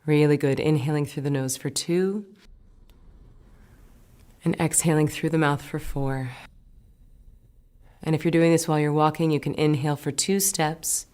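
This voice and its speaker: Lady w a low voice leading a breathing meditation, soft n soothing, slips into whispers. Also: steady tone. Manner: slow, soothing, gentle instructions with soft whispered words. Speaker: meditation teacher. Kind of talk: guided meditation.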